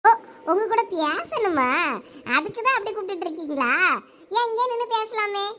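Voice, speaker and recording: A woman's voice: extremely high pitch, animated, sharp tone, a little hiss or hum, heavily acted. A woman voicing a chatty, teasing village girl. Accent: Thoothukudi Tamil. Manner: nosy, fast-talking, teasing. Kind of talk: cartoon voice acting.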